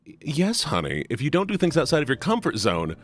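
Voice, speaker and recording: A man's voice: a little high, wildly swooping pitch, brisk, a bit bright. A man talking casually on a livestream, rambling earnestly and bluntly and repeating himself for emphasis. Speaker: live streamer.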